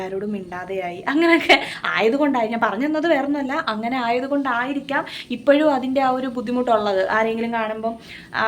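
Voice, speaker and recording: A young vlogger from Kerala, India, talks softly to camera in a casual vlog, musing and confiding as she strolls around her home garden. Her voice is fairly high, with a little hiss or hum in the audio.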